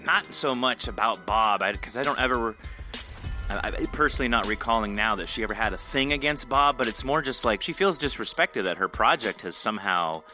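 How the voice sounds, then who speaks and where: A man hosting a casual behind-the-scenes podcast chat, informal and halting. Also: mid-range voice, animated, pushed and bright, soft background music. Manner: halting, informal, mildly sweary. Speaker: podcast host.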